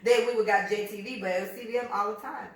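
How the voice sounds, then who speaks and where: An American woman in her thirties chats on a podcast, blunt and full of swearing, telling her stories with a lot of energy. She talks fast. Her voice sits back from the mic in a very echoey room. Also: medium pitch, distant mic. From United States. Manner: profane, blunt and animated storytelling. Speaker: podcast co-host. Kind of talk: casual chat.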